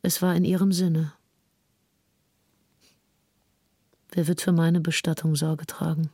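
An actress playing a grieving 19th-century woman, reading a written recollection in a measured, formal, sober way. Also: low voice, level tone, mellow, breathy edge, no room sound, clean studio sound. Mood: solemn, restrained. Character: grieving 19th-century woman recounting her companion's death in writing. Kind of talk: scripted literary reading.

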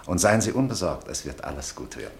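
An actor playing a courteous, deferential French gentleman landlord in a radio drama, speaking formally and obligingly. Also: sits low, sing-song, fast talker. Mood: courteous, soothing. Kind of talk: mid-century German radio drama acting.

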